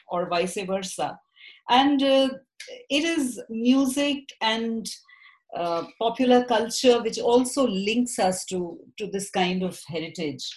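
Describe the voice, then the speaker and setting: A woman, a poet and theatre maker, answering interview questions thoughtfully and with frequent restarts. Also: mid-range voice. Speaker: poet and theatre practitioner guest.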